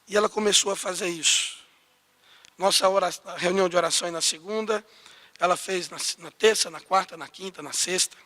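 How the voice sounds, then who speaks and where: A man's voice: high-pitched, fairly even intonation, normal speed, sharp tone. A male pastor preaching a storytelling sermon, acting out dialogue and building to emphatic exhortation. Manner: acts out quoted dialogue, rising to emphatic exhortation.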